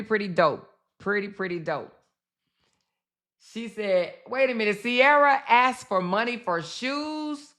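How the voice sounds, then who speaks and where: Bright-voiced woman chatting on a live stream. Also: medium pitch. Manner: chatty, calls viewers baby and girl, repeats phrases. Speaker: commentary host reading live chat. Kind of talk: casual live-stream commentary.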